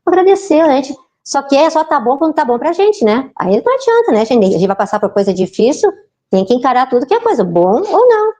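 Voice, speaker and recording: A woman's voice: high voice, big pitch swings, a little fast, mellow. Chatty woman preacher. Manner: chatty, keeps asking the audience "né, gente?". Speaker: spiritist lecturer. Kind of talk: informal doctrinal talk.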